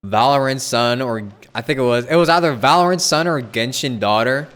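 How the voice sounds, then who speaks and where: A man's voice: medium pitch, brisk, fairly bright tone. A man giving casual, rambling live commentary as he streams a game. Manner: rambling, offhand. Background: faint game music.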